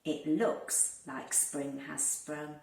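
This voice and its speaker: A woman voicing an eager, excitable rabbit in a children's storybook, with exclamatory, drawn-out delivery. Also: deep voice, gravelly, voice pushed down, heavily acted. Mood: joyful, excited. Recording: roomy, distant microphone.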